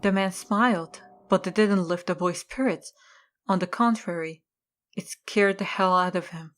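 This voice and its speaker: Woman narrating over soft music. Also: lowish voice, normal speed. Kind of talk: scripted audio drama narration.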